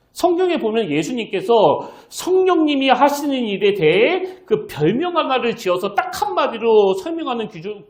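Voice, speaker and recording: A middle-aged man, a senior pastor, preaching a sermon earnestly, asking the congregation rhetorical questions. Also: high-pitched. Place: church sanctuary. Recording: echoey church sanctuary.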